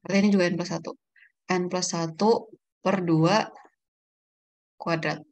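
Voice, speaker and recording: A woman's voice: fairly low pitch, steady tone, moderate pace, a little mellow. A woman teaching math in a casual online lesson, thinking aloud and checking herself as she works through formulas. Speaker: olympiad math tutor.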